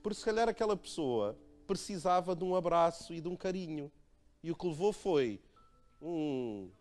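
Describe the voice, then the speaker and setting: A male pastor with a European Portuguese accent, giving a conversational sermon built around a personal story. He tells it in a lively way, laughs at himself and acts out the dialogue. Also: a little high, moderate pace, soft background music. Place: church.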